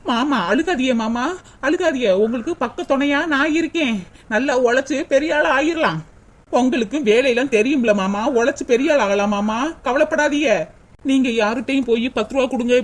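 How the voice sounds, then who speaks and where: A woman voicing a devoted young cartoon wife who gently soothes and reassures her husband. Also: high voice, fairly quick. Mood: comforting. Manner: soothing, pleading.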